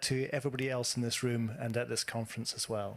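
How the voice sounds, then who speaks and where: A man with a Scottish accent speaks at a medium pitch, his intonation fairly even. The recording is very clean, with a silent background. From Scotland. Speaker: economist and author. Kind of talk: conference talk. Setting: auditorium with audience. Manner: fast.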